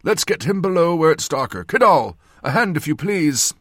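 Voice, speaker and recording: A man voicing a reassuring old ship's surgeon in an audiobook, talking loudly and briskly to his patient. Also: on the high side, sing-song, dry recording, clean studio sound, voice pushed up. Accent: northern. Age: older. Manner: loud, reassuring, brisk bedside talk. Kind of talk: audiobook character voice.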